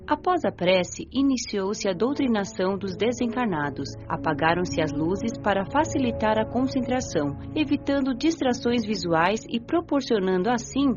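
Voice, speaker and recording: Lively, higher-voiced Brazilian woman narrating. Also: moderate pace, hardly any pauses. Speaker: audiobook narrator. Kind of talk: scripted narration. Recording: dull lo-fi audio under music. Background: music.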